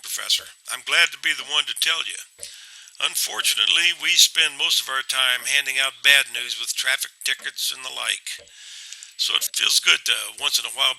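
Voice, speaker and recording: Friendly male police captain voiced by an actor, audio drama, courteous, medium pitch, strongly forward bright tone. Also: moderate pace, gravelly, exaggerated voice, poor audio. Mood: pleased, friendly. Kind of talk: audio drama phone dialogue.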